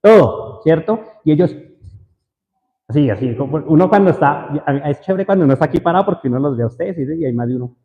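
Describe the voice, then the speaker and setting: A man's voice: fairly high pitch, expressive, fast. A man preaching a sermon to a congregation, often asking the listeners questions. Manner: asks the audience frequent questions. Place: church hall. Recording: roomy hall echo, dull lo-fi sound.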